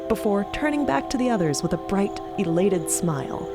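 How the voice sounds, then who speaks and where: A woman narrates a fantasy audio drama with lively, varied intonation. Her storytelling is expressive and descriptive, with music playing clearly behind her. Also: mid-range voice, moderate pace.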